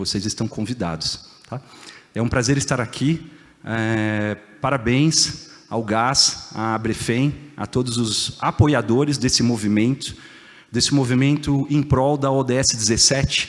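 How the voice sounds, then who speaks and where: Speaking with a rural São Paulo accent, a man has a medium pitch, ordinary pitch variation and a fairly slow pace. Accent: Brazilian interior (caipira). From interior of São Paulo state, Brazil (Ribeirão Preto). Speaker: agronomist, conference speaker. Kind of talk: conference talk. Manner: casual, conversational.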